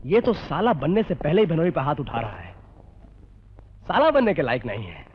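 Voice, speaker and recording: A man's voice: a little high, very animated, moderate pace, muffled recording, a little hiss or hum. An actor playing a hot-headed young man in love in an old film drama. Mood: sulky. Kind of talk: 1980s film drama acting.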